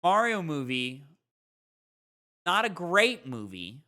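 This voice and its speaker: A man's voice: on the high side, big pitch swings, slow pace, pushed and bright. A man co-hosting a podcast, talking casually and emphatically with some swearing as he plays a movie quiz. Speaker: podcast co-host and quiz contestant.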